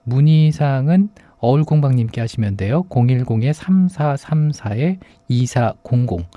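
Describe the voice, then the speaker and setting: Soft, mellow male radio host, close and dry. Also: mid-range voice, expressive, moderate pace, dry recording. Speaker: radio show host, announcer. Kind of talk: casual conversational hosting.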